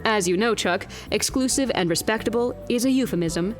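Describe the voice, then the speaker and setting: A woman playing a wry, exasperated field news reporter in an audio drama, speaking in a crisp, pointed broadcast style. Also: medium pitch, fairly quick, soft background music, close to an everyday voice. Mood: brisk, pointed.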